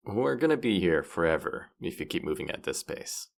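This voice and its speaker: Male actor as teasing demon guide, low gravelly voice, smug, boastful, theatrical, fantasy audio drama. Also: full character voice. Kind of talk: scripted roleplay audio drama.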